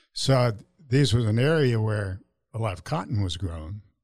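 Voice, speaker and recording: The recording is very clean, with a silent background. A man speaks at a moderate pace, somewhat breathy and with lively intonation. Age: 70s. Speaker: runner and race organizer. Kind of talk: casual interview. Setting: studio.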